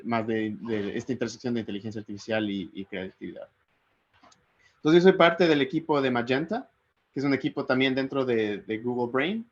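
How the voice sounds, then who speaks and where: Man giving a relaxed online talk. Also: mid-range voice. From Ecuador. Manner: relaxed, thinking aloud with fillers. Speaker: guest speaker. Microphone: video call. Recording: slightly muffled video call audio.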